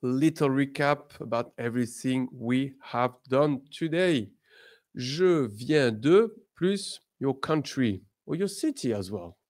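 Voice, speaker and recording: A man teaching a beginners' lesson, drawing out model words slowly and breaking into lively emphatic bursts. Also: mid-range voice. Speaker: French teacher.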